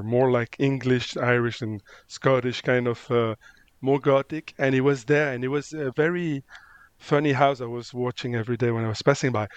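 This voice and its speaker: Halting man with a French accent. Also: medium pitch, no room sound. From France. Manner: halting, searching for words. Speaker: photographer, guest. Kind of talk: interview answers.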